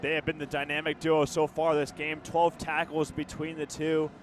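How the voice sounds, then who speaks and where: A man giving live radio football analysis in a halting, conversational way, often restarting his phrases. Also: on the high side, completely flat delivery, slight background noise. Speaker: color commentator.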